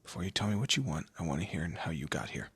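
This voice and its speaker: A man voicing a deep, smug demon lord. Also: very animated, fast talker, fairly bright tone, husky, dry recording, heavily acted. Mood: amused, curious. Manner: theatrical, condescending, drawling, with amused asides. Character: smug, teasing male demon lord, proud torturer and bureaucrat. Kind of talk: scripted audio roleplay addressed to the listener.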